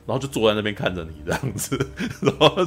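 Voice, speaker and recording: Podcast host, a man: rambly and chatty, lots of laughing, on the low side. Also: sing-song, fast talker, creaky, breathy edge. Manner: rambling, constant "you know" tag questions, frequent laughter. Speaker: podcast host reviewing a film. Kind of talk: casual chat.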